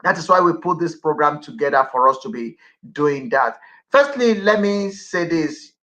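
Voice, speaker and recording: Male broadcast host, bright and fairly high, wordy and repetitive. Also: expressive, moderate pace. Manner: talkative, repeats himself, many fillers. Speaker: radio show host. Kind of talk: broadcast interview.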